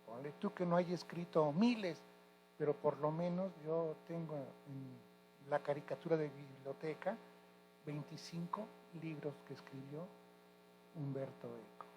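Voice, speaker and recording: A man in his sixties from Mexico, a retired high school teacher answering interview questions in an emphatic, lecturing way. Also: measured pace, noisy background. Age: 60s. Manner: emphatic, lecturing, corrects pronunciation.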